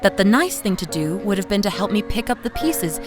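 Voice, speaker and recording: Young mom narrator, played by an actress: medium pitch, fond yet anxious, conversational, expressive audio drama storytelling. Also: female voice, brisk, natural voice. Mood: fond, relieved. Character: loving, anxious young mother narrating her memories. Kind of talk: first-person scripted audio drama narration. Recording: faint music behind narration.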